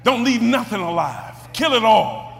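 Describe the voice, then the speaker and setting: A man preaching a sermon, who stumbles over and repeats words and builds up to shouted exclamations. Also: extremely high pitch, sing-song, a little slow, gravelly, in a large hall.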